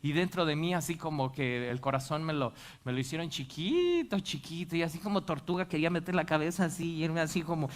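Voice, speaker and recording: A man preaching a sermon in church, telling a personal story. He shifts between quiet, reflective passages and emphatic ones, filling pauses with "este". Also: on the high side, fairly even intonation.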